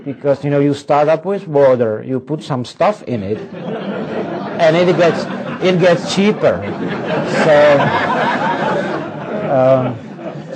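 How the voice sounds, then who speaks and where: A man's voice: on the high side, poor audio. A Czech man with a Czech accent speaking English as a second language, giving a conference lecture as an economics professor with dry humor and many hesitant ums and restarts. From Czech Republic.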